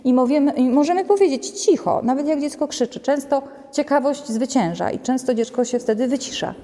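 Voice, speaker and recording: A woman's voice: sits high, a little fast. A woman giving a conversational lecture on raising children, often tagging sentences with a checking question and acting out little quoted lines. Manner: conversational, ends many sentences with a checking "nie?"; animated, acts out quotes. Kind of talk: lecture to a group. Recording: long reverb of a hall.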